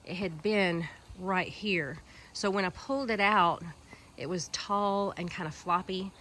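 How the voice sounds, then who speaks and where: A woman's voice: fairly low pitch, measured pace, sharp tone, slight background noise. Chatty Southern woman with a head cold. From Alabama Gulf Coast, US. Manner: chatty and rambling, many fillers. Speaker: gardening vlogger. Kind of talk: casual walking garden tour. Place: outdoor home garden.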